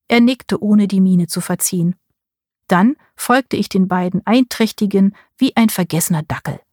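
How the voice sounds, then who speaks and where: A woman narrating a first-person audiobook in a measured storytelling way, with a husky voice. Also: mid-range voice, darkish tone, no room sound, clean studio sound. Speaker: audiobook reader.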